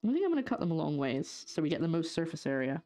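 A young woman from northeast Scotland chats fast and animatedly to her stream while cooking in her home kitchen, her voice low and mellow. Her light Scottish accent sounds partly English, and a brace gives her a slight lisp. She keeps things jokey, tossing sarcastic asides to chat.

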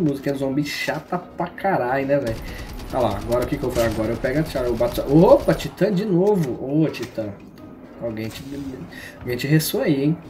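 This man has a Brazilian Portuguese accent and a mellow, mid-range voice, with a little hiss or hum in the audio. He streams a shooter game, keeping up slangy, joking commentary and teasing his viewers.

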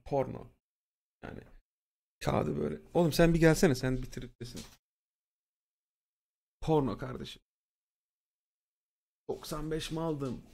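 A young man casually telling a school story, animated and profane, acting out what people said. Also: medium pitch, gravelly, husky. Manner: animated, profane, acts out quotes. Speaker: streamer.

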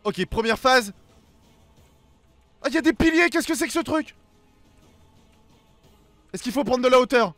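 A young man giving excited let's play commentary, exclaiming and talking to himself as he reacts. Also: extremely high pitch, unhurried, pauses often, no echo, faint music behind. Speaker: gaming video host.

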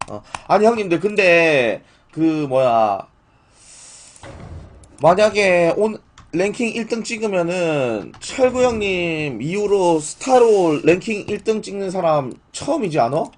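This gaming live stream host has a strained throat and a voice in poor condition, yet he chats informally and asks his viewers plenty of questions. His voice is a little high, sing-song and a little slow. Music and keyboard typing play behind him, with a little hiss or hum.

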